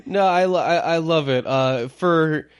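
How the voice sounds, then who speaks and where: A man's voice: a little high, unhurried, clear, resonant tone. A man co-hosting a geeky podcast, chatting casually, laughing often and slipping into joke voices. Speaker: podcast co-host. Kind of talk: casual chat.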